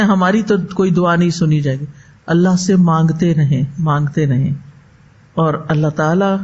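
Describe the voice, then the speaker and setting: Woman, religious teacher, rhetorical questions, slow chanted verses, dull lo-fi sound. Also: mid-range voice. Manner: animated, asks rhetorical questions and answers them. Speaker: Quran teacher. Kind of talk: religious lecture. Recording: dull lo-fi recording.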